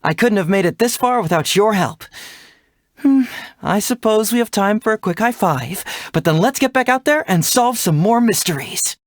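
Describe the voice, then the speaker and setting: A man's voice: high voice, animated, normal speed, no echo, clean studio sound. A man voicing a cheeky, confident young male detective in a video game, with breezy, playful, theatrical phrasing. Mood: warm, upbeat. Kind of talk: scripted game character voice lines.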